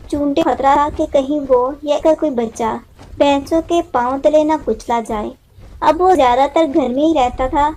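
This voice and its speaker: A woman's voice: high voice, dark tone, poor audio. A woman storyteller reading a scripted moral story for children.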